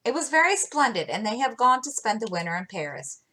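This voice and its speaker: A woman's voice: a little high, very animated, a little fast, pushed and bright, heavily acted, rough recording. A woman reading aloud and voicing a prim, reproving young lady in a storybook. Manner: reproving and proper. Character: prim, ladylike older sister Meg.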